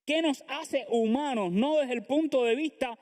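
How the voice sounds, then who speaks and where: A man's voice: very high voice, measured pace, darkish tone. A man preaching a sermon to a congregation as pastor, earnest and full of rhetorical questions. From Latin America. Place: church sanctuary.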